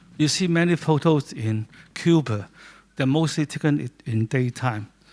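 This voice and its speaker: In a Cantonese accent, a man talks at a moderate pace with a fairly high pitch and ordinary pitch variation, recorded very cleanly with a silent background and a dry, close sound with no echo. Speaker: photographer and author. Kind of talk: book talk to audience. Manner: halting.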